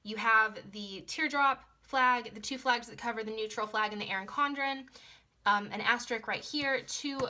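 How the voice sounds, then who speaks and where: A young woman chatting casually through a planner sticker haul, gushing and repeating words, her voice slightly hoarse from being sick. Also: on the high side, normal speed, bright, forceful tone. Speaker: planner vlogger.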